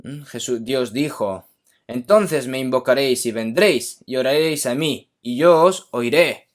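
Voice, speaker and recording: A man's voice: medium pitch, a little slow. A man from Korea preaching a sermon emphatically, often checking in with his listeners.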